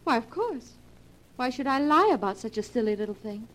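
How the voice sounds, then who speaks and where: An actress playing an anxious, gentle wife in an old-time radio drama, speaking in an earnest, theatrical manner. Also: female voice, a little high, very animated, a little fast. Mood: earnest, innocent. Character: anxious, gentle young wife, fearful of her husband.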